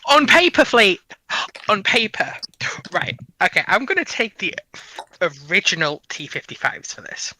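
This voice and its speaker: A man's voice: high-pitched, sing-song, normal speed, sharp tone, a little hiss or hum, rough recording. A man in an informal debate, insistently contradicting and correcting the other side. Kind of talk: informal military history debate.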